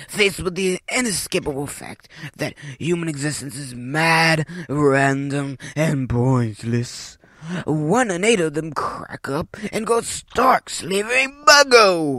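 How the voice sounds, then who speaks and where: A man in a put-on character voice, fairly high in pitch, at a fairly slow pace. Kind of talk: theatrical villain monologue. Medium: read story. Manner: theatrical, mocking, menacing.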